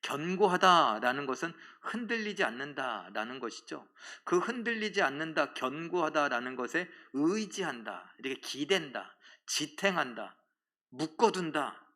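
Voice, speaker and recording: A man's voice: fairly high pitch, big pitch swings, moderate pace, sharp tone. A male pastor preaching a sermon, telling a story and asking the congregation questions. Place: church.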